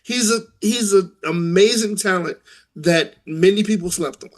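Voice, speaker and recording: A man with a somewhat high voice co-hosts a casual wrestling podcast. He talks in a halting way, restarting his sentences and laughing along with his partner. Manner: halting, repeats words and laughs often. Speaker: podcast co-host.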